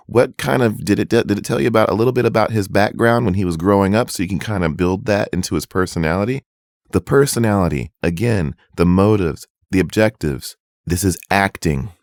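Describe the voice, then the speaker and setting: A man's voice: on the low side, darkish tone, dry recording, clean studio sound. A man coaching voice acting in a casual, earnest tutorial. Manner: casual, conversational, earnest advice.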